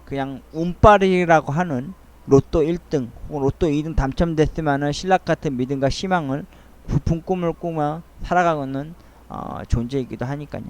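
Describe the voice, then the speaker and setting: A middle-aged man rambling through a soliloquy-style audio essay, speaking in a halting, earnest and wistful way. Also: on the high side, a little mellow. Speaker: host of a monologue essay channel.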